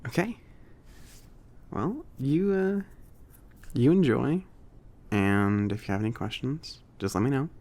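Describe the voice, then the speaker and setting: A man playing a friendly, slightly awkward mage shopkeeper in a soft-spoken, hesitant, casual ASMR roleplay. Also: medium pitch, expressive, slow pace, pauses often. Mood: accommodating, rambling. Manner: hesitant, rambling, accommodating. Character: friendly, slightly awkward male mage running a magic shop.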